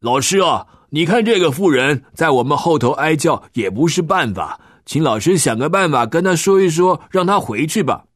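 An impatient disciple complains and pleads with his teacher, a little higher than plain talk, as a male storyteller puts him on. The voice is somewhat louder than the narration. The recording is dry and close. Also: animated, moderate pace, hardly any pauses, no room sound.

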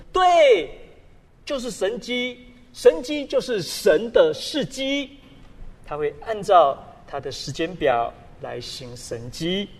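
A man preaching a sermon as a pastor, animated and full of rhetorical questions. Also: high voice, in a large hall.

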